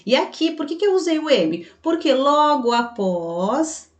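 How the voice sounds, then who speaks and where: A woman's voice: high-pitched, sing-song, measured pace, lo-fi sound. A woman teaching a children's spelling lesson online, patiently explaining step by step and voicing the pupils' questions herself. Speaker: primary school teacher. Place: room with a passing truck heard outside. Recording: echoey room.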